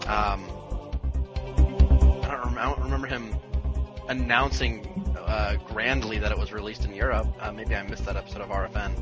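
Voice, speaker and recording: A man's voice: on the low side, fairly even intonation, normal speed, highs cut off, over loud music. A man contestant on a podcast quiz who thinks aloud with lots of fillers before he answers. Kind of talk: casual podcast quiz banter.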